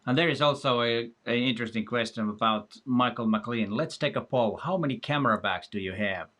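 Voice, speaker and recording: A man's voice: mid-range voice, a little fast, a bit bright. A man from Finland, hosting a casual live stream and reading out viewer questions in a friendly manner.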